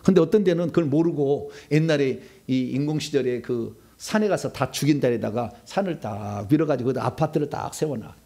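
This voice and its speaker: A male pastor preaching a sermon, swinging between loud outbursts and hushed asides. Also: mid-range voice, animated, brisk, hardly any pauses.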